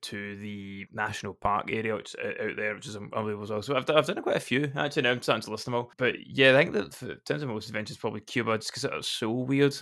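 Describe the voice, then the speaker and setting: In a Glaswegian accent, the speaker talks with hardly any pauses, a bright, sharp tone and ordinary pitch variation, on a very clean recording with a silent background. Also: man. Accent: Glaswegian Scottish. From Scotland, Glasgow. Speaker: podcast co-host. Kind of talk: casual chat.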